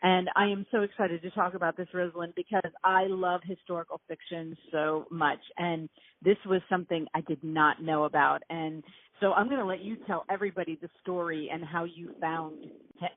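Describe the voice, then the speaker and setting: A woman's voice: on the low side, steady tone, moderate pace. A woman host with a Pennsylvania Dutch accent, bubbly and laughing often as she interviews an author. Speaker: podcast host. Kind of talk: casual interview. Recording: tinny phone-like line.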